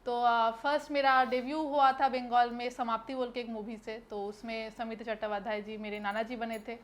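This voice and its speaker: A woman's voice: on the high side, little pitch movement, moderate pace, slight background noise. A young woman from Kolkata, an actress answering interview questions in a chatty way with hesitant fillers and English phrases mixed in. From Kolkata, West Bengal, India.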